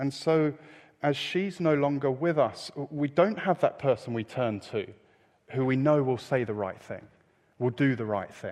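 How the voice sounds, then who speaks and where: With a London accent, a man speaks at a fairly slow pace. His voice sits fairly high and his intonation is lively. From North London, England. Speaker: church staff preacher. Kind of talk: sermon. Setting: church. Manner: repeats words, slightly halting.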